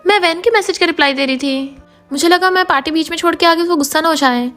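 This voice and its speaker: A woman reading the lines of a young girlfriend who reassures and mildly scolds, in a quick, high voice. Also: a bit bright, soft background music. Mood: defensive.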